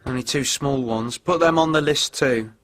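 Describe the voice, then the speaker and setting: A man's voice: medium pitch, normal speed, fairly bright tone. A man in a scripted textbook dialogue, talking in a hesitant, chatty way.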